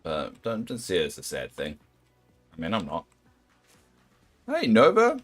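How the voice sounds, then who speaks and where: A young adult man with a New Zealand accent and a deep, soothing voice, chatting casually and self-deprecatingly with his viewers while playing a game. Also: huge pitch swings, measured pace, faint music behind. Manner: rambling, self-deprecating, sympathetic. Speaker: game streamer.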